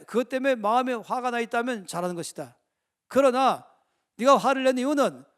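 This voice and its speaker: A male pastor voicing God as a stern, fatherly figure who reproves with pointed questions, inside his sermon. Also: very high-pitched.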